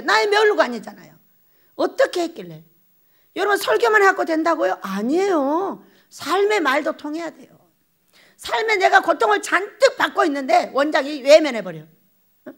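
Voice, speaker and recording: Older woman, pastor, high voice, swooping lively pitch, storytelling sermon. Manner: animated, acts out quoted exchanges, laughs often. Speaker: pastor, head of a prayer retreat.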